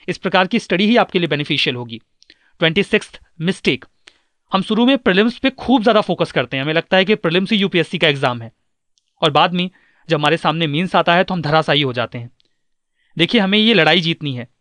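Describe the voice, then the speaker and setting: A man's voice: high voice, fairly bright tone, dry recording. A man coaching civil service exam aspirants in an earnest, instructive way, mixing in English terms. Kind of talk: scripted advice talk.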